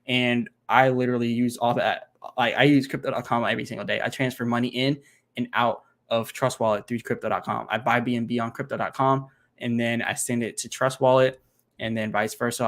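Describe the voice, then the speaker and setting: A crypto channel host runs a casual livestream Q&A from a home computer setup with a single monitor, rambling and doing math out loud with plenty of fillers. His mid-range voice is fairly bright, brisk and mostly flat in pitch.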